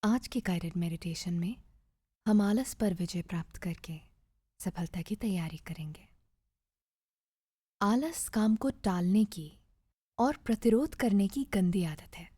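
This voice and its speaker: Female meditation guide: soft, husky-breathy and mellow, soothing and unhurried delivery with gentle pauses. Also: mid-range voice, no room sound. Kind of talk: guided meditation, scripted narration.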